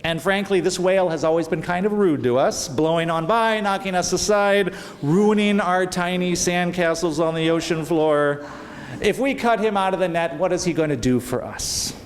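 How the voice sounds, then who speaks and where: A man's voice: high voice, normal speed, lightly acted. A man voicing a group of grudging, complaining crabs while reading a story aloud in a church. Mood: grumbling. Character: grumbling group of small crabs. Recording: echoey hall, faint ambience.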